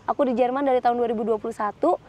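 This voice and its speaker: A woman's voice: fairly high pitch, steady tone, racing, warm tone. A woman from Jakarta in her thirties, chatting casually as a podcast guest, with frequent fillers and restarts. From Jakarta, Indonesia. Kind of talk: casual interview chat. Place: outdoors. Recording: dull lo-fi sound.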